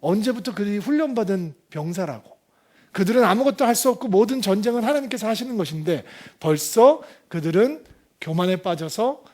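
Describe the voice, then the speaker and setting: A pastor delivering a sermon in a high, clear male voice. He presses his points with rhetorical questions to the congregation, stressing key words. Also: darkish tone.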